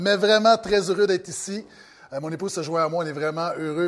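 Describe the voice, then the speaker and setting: With noticeable background noise behind them, the speaker talks at a fairly quick pace in a Quebec accent. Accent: Québécois French. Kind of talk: warm, public speaking.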